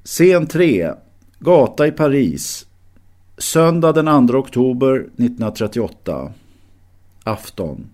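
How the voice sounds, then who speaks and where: A man's voice: medium pitch, big pitch swings, pauses often, darkish tone. A man reading scripted scene headings as the announcer of an audio drama. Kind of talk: scripted narration.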